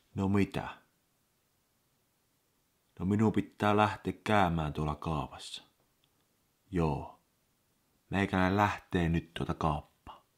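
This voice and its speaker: Putting on a drawling character voice with a very deep, low pitch, a man speaks at a moderate pace with long, frequent pauses. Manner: very slow, drawling.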